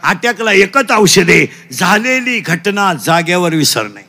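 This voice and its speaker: High gravelly comic preacher. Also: male voice, sing-song, unhurried. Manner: shouting call-and-response with children; mixes broken English into lectures. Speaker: kirtan preacher. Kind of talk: comic kirtan sermon.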